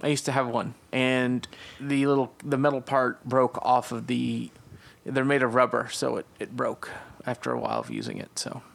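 A man co-hosting a podcast, explaining features at length in a relaxed, casual way and leading the discussion. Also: mid-range voice, moderate pace, gravelly. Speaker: podcast co-host. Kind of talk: casual tech chat.

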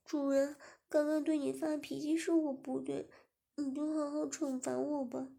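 A woman's voice: high voice, little pitch movement, moderate pace, vocal fry, dark tone, voice pushed up. A woman voicing a pouting, clingy young wife in an audio story, with a whiny, pleading manner.

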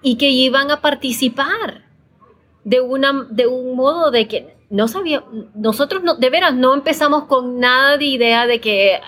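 A woman's voice: high-pitched, normal speed, fairly bright tone. A woman from El Salvador, a podcast producer, talking as a guest in a conversational interview, thoughtful and often checking in with the listener. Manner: thoughtful, repeats words, frequent tag questions.

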